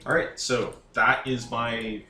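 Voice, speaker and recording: A man's voice: mid-range voice, little pitch movement, takes it slowly, bright, forceful tone, soft background music. A man chatting casually as a player in a tabletop game. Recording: echoey room, clear background noise.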